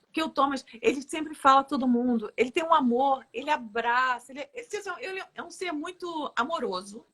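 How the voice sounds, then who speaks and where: Woman guest, high and bright, lively chatty storyteller in a relaxed live interview. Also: brisk. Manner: lively storyteller, laughs often. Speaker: therapist guest. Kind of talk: casual interview chat.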